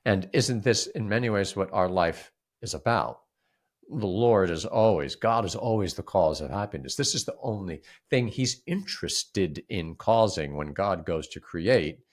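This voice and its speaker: A man co-hosting a reflective conversational discussion, speaking haltingly with frequent repeated words and restarts. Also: deep voice, expressive. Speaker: podcast co-host.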